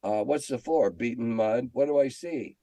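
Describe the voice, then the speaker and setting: An older man from the US, a veteran game designer and editor, speaks at normal speed in a warm, mid-range voice during a conversational interview. He tells stories and reinforces his opinions through emphatic repetition, and the recording has no room sound.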